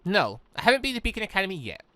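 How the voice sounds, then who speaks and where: A man's voice: high-pitched, huge pitch swings, racing, pushed and bright, dry recording, exaggerated voice. A man voicing a polite, plucky and slightly awkward teenage girl in a visual novel, earnest and courteous. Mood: earnest, informative.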